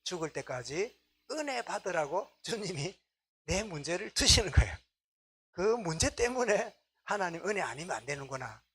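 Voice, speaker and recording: Husky-voiced pastor preaching. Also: male voice, high-pitched, big pitch swings, moderate pace, fairly bright tone. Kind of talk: sermon.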